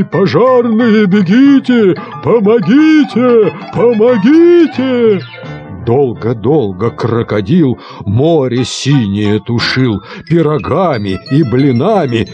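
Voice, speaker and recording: A man reading a children's nonsense poem aloud in a playful, expressive way, acting out animal noises. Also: mid-range voice. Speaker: storyteller.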